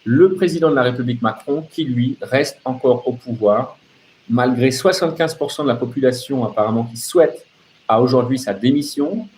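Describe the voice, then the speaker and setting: A man's voice: medium pitch, darkish tone, a little hiss or hum, rough recording. A man delivering an off-the-cuff political rant as a live open-line host, sardonic and emphatic, repeating phrases and throwing out rhetorical questions.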